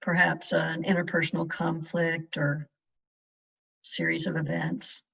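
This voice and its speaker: A woman leading a guided meditation in a measured way, leaving long pauses between short phrases. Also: deep voice, flat delivery, vocal fry, fairly bright tone, slightly rough. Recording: distant mic, dull muffled sound.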